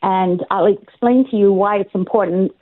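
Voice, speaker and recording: A woman's voice: mid-range voice, fairly even intonation, moderate pace. A woman candidate makes her case over a tinny phone line, her voice squeezed into a narrow band. She speaks earnestly and in a campaigning tone, stopping often to restart her sentences and fill the gaps. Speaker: political candidate guest. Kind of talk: phone interview on talk radio.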